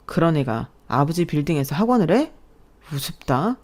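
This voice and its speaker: A woman's voice: deep voice, sing-song, normal speed, darkish tone. Woman voicing a sneering scheming young man. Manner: sneering, contemptuous.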